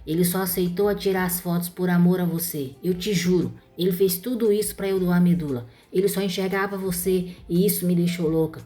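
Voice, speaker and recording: A woman's voice: fairly low pitch, steady tone, a little fast, few pauses, warm tone, soft background music, close to an everyday voice. A woman voicing a young woman who confesses and begs her sister's forgiveness, in a pleading tone. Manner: pleading, remorseful.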